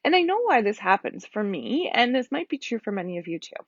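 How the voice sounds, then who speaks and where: A woman in her thirties with a husky, tired voice, talking candidly and rambling a little on a live stream from home. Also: fairly high pitch, sing-song, fast talker, dry recording. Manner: candid, rambling, laughs often. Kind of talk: casual live stream talk. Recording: dull lo-fi sound.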